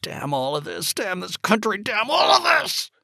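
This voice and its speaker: A man voicing a desperate, furious father who shouts and rages. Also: high-pitched, huge pitch swings, moderate pace, vocal fry, dry recording, clean studio sound, voice pushed up, full character voice. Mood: raging. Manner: shouting, raging.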